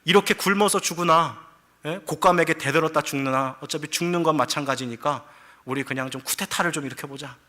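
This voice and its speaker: Guy doing young tiger grandson, eager, bold, a bit higher up. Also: fairly quick, pushed and bright. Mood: rousing.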